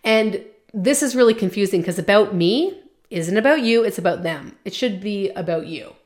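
A woman's voice: mid-range voice, animated, moderate pace, a little mellow. A young woman coaching her listeners on a solo podcast. She talks bluntly and with lots of energy, dropping casual swears as she gets fired up about her advice. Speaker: podcast host, business coach.

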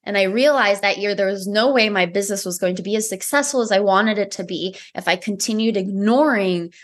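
A woman with a mid-range voice whose first language is Romanian talks as a guest on a podcast. She tells her story in an earnest, animated way and acts out her own inner thoughts. Her pitch sits right in the middle. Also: a little fast. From United States. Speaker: mindset coach, guest. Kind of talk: conversational podcast interview.

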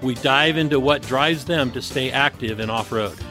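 A man's voice: medium pitch, moderate pace, music in the background. A man from Northern California hosting an off-road interview podcast, reading his intro and ads, then chatting with his guest. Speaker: podcast host.

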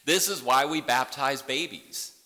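Bright-voiced pastor in a reverberant sanctuary. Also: male voice, medium pitch, a little slow. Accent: Upper Midwest with a Southern tinge. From Michigan, Upper Midwest. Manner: gentle, conversational preaching. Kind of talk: sermon. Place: church sanctuary.

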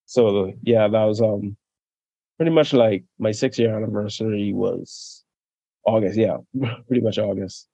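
A young man from the Bahamas, a podcast guest chatting casually, who laughs often and trails off softly at the ends of his sentences. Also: lowish voice, a little slow, no echo, highs cut off. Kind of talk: casual interview chat.

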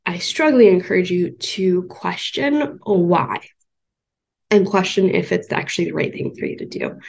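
A woman's voice: mid-range voice, darkish tone. A woman hosting her podcast, chatting upbeat with many fillers and restarts, a bit congested and stuffed up. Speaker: podcast host. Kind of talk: solo podcast talk.

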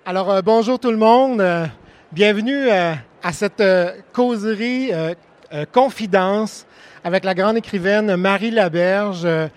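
A man with a high voice interviews a guest on a book fair stage. He halts often and fills his gaps with fillers. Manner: many fillers, halting. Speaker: bookseller and literary host. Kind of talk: hesitant interviewer.

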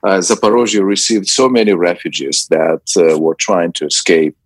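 A middle-aged man answers interview questions in a very low voice, stopping often with fillers and restarts. The recording is close and dry, with no room sound. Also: fairly even intonation, normal speed, no echo. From Ukraine. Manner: hesitant, many fillers and restarts. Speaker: ministry president, guest. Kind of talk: radio interview.

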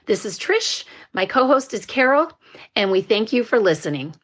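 Calm woman hosting a wellness podcast. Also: on the high side, normal speed. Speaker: podcast host and life wellness coach. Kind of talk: scripted podcast monologue.

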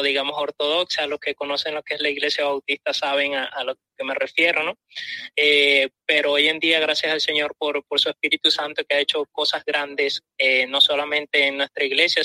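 Bright-voiced man, hesitant. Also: a little high, no room sound, low-quality recording. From Venezuela. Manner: hesitant, many fillers, laughs. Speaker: guest musician. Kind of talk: live interview.

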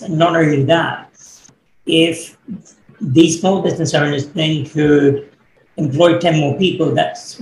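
A middle-aged man, born in Kenya and raised in the UK, answering interview questions as a business coach in a thoughtful, measured way with fillers. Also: on the high side, gravelly. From born in Kenya, grew up in the UK. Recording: echoey room, faint background noise.

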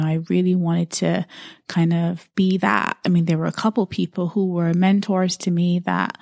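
A woman's voice: fairly low pitch, gravelly, a little mellow, dry recording, studio quality. A woman from Barbados, probably in her thirties, hosting a podcast and talking about her life in an earnest, reflective way, often repeating words as she thinks. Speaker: podcast host.

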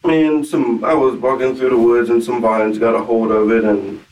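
A man's voice: medium pitch, fairly even intonation, normal speed, darkish tone. A man in his twenties from Hawaii answering a detective's questions casually, heard on old interrogation tape. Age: 20s. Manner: casual, short, easygoing answers. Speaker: suspect in an interrogation. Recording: distant camera tape with faint hiss.

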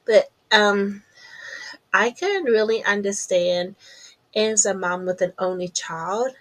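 A woman's voice: mid-range voice, fairly bright tone, rough recording. A woman with a New Zealand accent, chatting casually to camera from her home office as a podcast host, laughing at herself often.

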